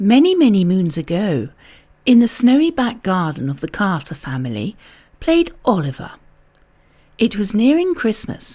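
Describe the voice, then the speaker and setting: Speaking with a British accent, a woman with a somewhat breathy, dark, mellow tone and medium pitch moves at a moderate pace, with very wide pitch swings and long, frequent pauses. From England. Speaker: storyteller. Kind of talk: children's story read-aloud.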